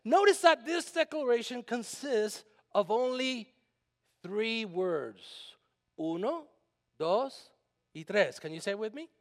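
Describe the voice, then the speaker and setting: A man with a strikingly high voice preaches to his congregation, calling out for answers and climbing into emphatic shouts. His words ring out with a long reverb through the church hall. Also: animated, takes it slowly. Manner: emphatic call-and-response preaching, rising to shouts. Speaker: pastor. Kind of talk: sermon. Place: church sanctuary.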